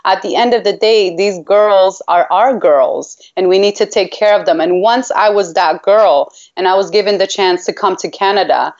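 Over a dull, lo-fi line, an Iraqi woman who campaigns for human rights answers interview questions with real feeling. Her mid-range, somewhat dark voice moves at a moderate pace with few pauses, earnest and emphatic, and she repeats phrases for weight.

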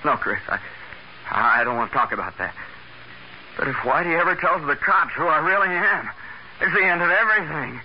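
Desperate high-voiced young man, hissy old radio. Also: lively intonation, moderate pace, pauses often. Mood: despairing, tense. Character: desperate well-dressed young man cornered by blackmail. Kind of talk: 1940s radio crime drama acting. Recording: dull, hissy 1940s radio recording.

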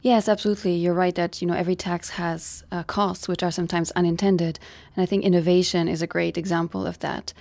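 A middle-aged woman from Bulgaria, an economics professor, answering interview questions in a measured, academic way. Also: fairly low pitch, level tone, gravelly, a little mellow, dry recording. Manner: measured, academic, frequent "you know".

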